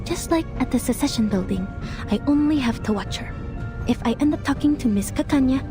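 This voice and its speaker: An actress playing a nervous, earnest young assistant investigator who hesitates and frets to herself, in video game style. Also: female voice, high-pitched, expressive, fairly quick. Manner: hesitant, anxious self-talk with broken-off thoughts. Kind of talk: dramatic video game voice acting. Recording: music behind the voice.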